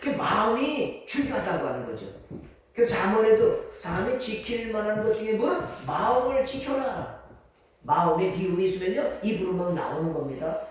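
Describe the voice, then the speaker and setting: A man in the pulpit delivers a Sunday sermon in a high register, driving his points home with emphatic rhetorical questions. His voice is caught from a distance and rings through a heavily reverberant church hall. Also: expressive, moderate pace, slight background noise. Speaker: pastor. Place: church sanctuary. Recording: very echoey church hall, from far off.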